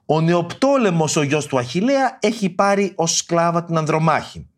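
A man's voice: a little high, animated. A man hosting a podcast about ancient tragedy, telling the stories in a casual way with slangy, mock-indignant asides. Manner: reads verse quotes in theatrical voices. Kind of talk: casual storytelling lesson.

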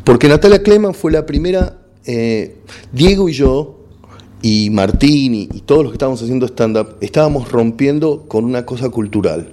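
A middle-aged man with an Argentine accent speaks in a mellow, darkish voice. He tells his story frankly and keeps circling back over words while hunting for the right one. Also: mid-range voice, moderate pace. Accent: Argentine Spanish. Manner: frank, repeats words and restarts while searching for words. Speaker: stand-up comedian guest. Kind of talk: casual interview chat.

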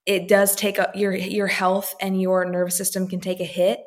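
A woman's voice: mid-range voice, completely flat delivery, moderate pace. A young woman co-hosting a casual chat podcast, talking in an encouraging, supportive way. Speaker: podcast co-host.

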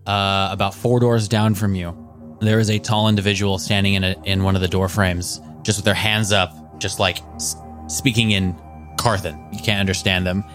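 A man narrating as game master of a tabletop game, relaxed and loose with fillers. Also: low voice, moderate pace, soft background music.

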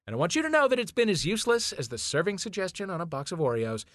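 A man hosting a comedy game show with big, showy announcements. His voice sits a bit high and swings lively up and down, and the sound is close and dry. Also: fast talker, no room sound. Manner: playful, theatrical announcing. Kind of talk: comic live podcast game show.

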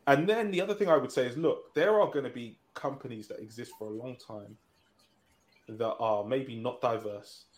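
A man hosting a business podcast, talking in a measured way and thinking aloud with rhetorical questions. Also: medium pitch. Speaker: podcast host. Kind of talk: conversational business talk. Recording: echoey room.

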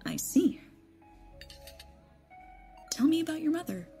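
A woman's voice: sits high, big pitch swings, slow, gravelly, mellow, full character voice. A woman playing a probing young woman of twenty-one in an audio drama, outwardly light and secretly uneasy. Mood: probing, teasing. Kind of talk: naturalistic audio drama acting. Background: background music.

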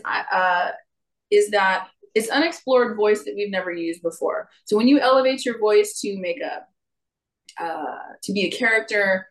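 A middle-aged woman talks as a guest about using your voice, with a mid-range pitch. She is animated and often jumps into higher playful voices to make a point. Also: poor audio. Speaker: singer and vocal coach, guest. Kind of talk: conversational interview.

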